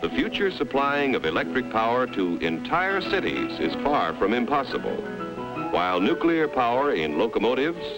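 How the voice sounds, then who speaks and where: An American man narrating a scripted 1950s educational film in an emphatic, dramatic manner with deliberate pauses. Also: mid-range voice, very animated, music in the background, poor audio.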